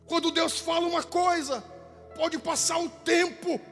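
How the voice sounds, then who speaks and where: A man with a Brazilian Portuguese accent preaching a fervent Pentecostal sermon in a church, repeating phrases and rising to shouts. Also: very high voice, steady tone, a little slow. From southern Brazil. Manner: fervent, repetitive, rises to shouting. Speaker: pastor. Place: church sanctuary. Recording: church hall with long reverb, faint music.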